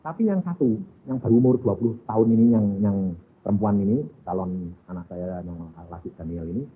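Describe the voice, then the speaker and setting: A man's voice: lowish voice, fairly quick, breathy edge. A middle-aged man, preaching a sermon as a folksy storyteller who acts out family dialogue. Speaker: pastor. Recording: lo-fi phone-like audio.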